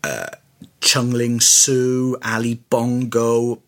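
A man's voice: mid-range voice, monotone, drawn-out words, fairly bright tone. A middle-aged Welshman, a radio presenter with Welsh as his first language, chatting in an interview in a self-deprecating way and laughing often. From Wales. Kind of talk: casual interview chat.

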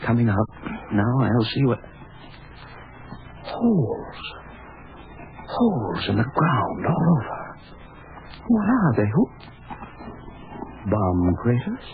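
A man's voice: medium pitch, wildly swooping pitch, slow pace, long pauses, heavily acted. A haunted, anguished radio-drama man. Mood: tense. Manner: brusque, then anguished and breathless. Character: gruff, impatient man driven to horror and grief. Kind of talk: 1940s radio acting. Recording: scratchy tinny old radio broadcast.

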